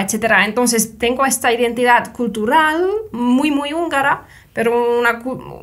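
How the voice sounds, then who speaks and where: A woman's voice: on the high side, fairly bright tone. A woman from Finland, a podcast guest speaking a second language carefully, often correcting herself. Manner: careful, non-native, self-correcting. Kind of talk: conversational interview.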